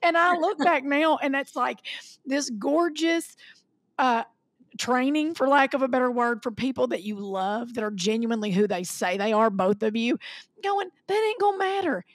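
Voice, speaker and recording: A late-forties woman with a drawl, co-hosting a chat show over a video call from home. She talks in a gushing, animated way, laughs often, and sometimes jumps up high while acting out what people said. Her voice comes across dry and close, with no room sound. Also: normal speed, dry recording. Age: 40s. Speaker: podcast co-host. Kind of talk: casual chat.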